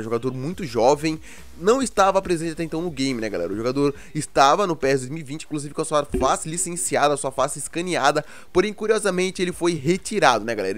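A man from Brazil hosting a gaming channel, chatting about game updates and often tagging lines with a quick question to viewers. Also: fairly high pitch. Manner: chatty, keeps asking "né, galera?". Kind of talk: casual game news vlog.

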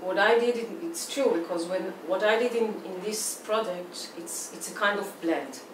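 A woman's voice: mid-range voice, moderate pace. A woman in her forties from Israel, with an Israeli accent and Hebrew as her first language, answering interview questions thoughtfully and often restarting her phrases. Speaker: artist guest. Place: indoor room with plain walls. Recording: echoey room, distant mic, faint hiss.

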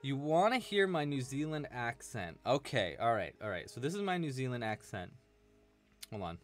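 A young man with a medium-pitched, very animated voice teaches crochet on a live stream from a small room at home, speaking at a moderate pace over soft background music. Chatty and playful, he reads chat messages aloud and laughs as he works.

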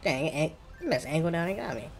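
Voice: mid-range voice, very animated, fairly quick, gravelly, soft background music. A gaming streamer with an African American accent, giving casual, colloquial gameplay commentary and reacting as they play. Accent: African American English.

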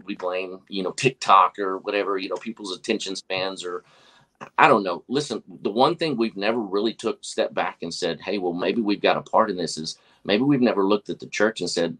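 A man's voice: fairly low pitch, a bit bright, rough recording. A man in his forties from West Texas, a pastor speaking earnestly on a video call from his office, with many fillers and restarts. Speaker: pastor and guest. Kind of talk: casual video call conversation. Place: office with whiteboard, indoors. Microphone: webcam on video call.

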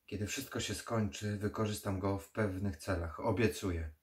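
A man's voice: on the low side, fairly even intonation, moderate pace, lightly acted. A man reading the part of a stubborn, haunted young man in an audiobook horror story. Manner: stubborn, agitated.

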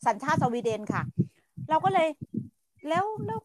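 A woman's voice: sits high, sing-song, moderate pace, no echo, rough recording. A middle-aged woman from Thailand hosting a casual livestream chat, blunt and ranting, swearing freely and stretching her polite endings for emphasis. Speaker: livestream host.

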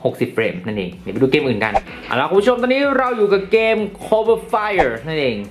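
A man reviewing tech gear, giving casual, excitable gameplay commentary to viewers in an air-conditioned room. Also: high-pitched, a little fast. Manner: excitable, exclaiming often while playing. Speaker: tech reviewer testing phone games. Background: game music.

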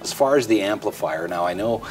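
A man's voice: fairly low pitch, lively intonation, a little fast, poor audio. A middle-aged American man hosting a product tutorial in a conversational presenting style. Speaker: video tutorial host. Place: indoor product display set.

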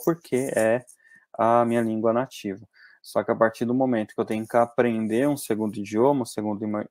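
A man's voice: mid-range voice, darkish tone, no echo. Brazilian man teaching an online class. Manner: conversational, frequent tag questions. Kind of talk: online lecture over slides.

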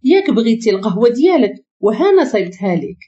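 A woman's voice: fairly high pitch, sing-song, rapid-fire, warm tone, muffled recording. A woman with a Moroccan accent voicing a bitter, defiant young wife who was forced into marriage.

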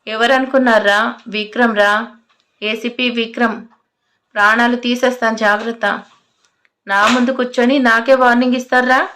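A woman voicing a furious, fearless male police officer who shouts threats. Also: a little high, fairly even intonation, moderate pace, pauses often.

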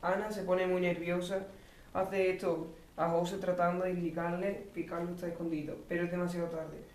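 A teenage boy narrates a script in a high, even voice. The room echoes and he sounds set back from the mic. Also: fairly quick. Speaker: student narrator. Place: school classroom. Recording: roomy classroom, distant mic, faint noise.

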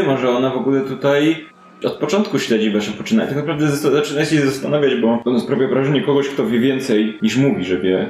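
A man's voice: medium pitch, darkish tone. A man improvising narration as game master of a tabletop role-playing game, conversational and hesitant in his phrasing. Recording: roomy sound with faint music.

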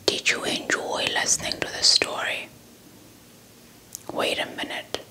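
Set up indoors before a cloth backdrop, this young adult storyteller from South Africa tells an ASMR folktale in an unhurried, breathy whisper, slipping into playful roleplay. She holds a fluffy-windscreened handheld mic close and repeats words and phrases into it.

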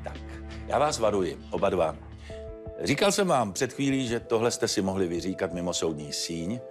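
An actor playing a stern, formal judge who admonishes the parties with frequent hesitant fillers. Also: male voice, low voice, big pitch swings, faint music behind. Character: stern measured male judge, controlled. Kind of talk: courtroom TV show acting.

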